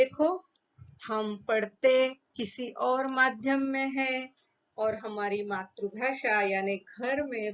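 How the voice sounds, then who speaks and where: With a Marathi accent, a woman talks at a high pitch with ordinary pitch variation. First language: Marathi (speaking Hindi). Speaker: school teacher. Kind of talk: online lesson for schoolchildren. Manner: slow, clear explanatory.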